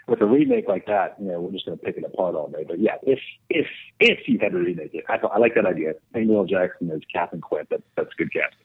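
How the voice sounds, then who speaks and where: A man's voice: fairly low pitch, huge pitch swings, a little fast, gravelly, husky. A man chatting casually in a laid-back, agreeable way, heard through earbuds over a phone call with a metallic, tin-can sound. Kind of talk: casual chat.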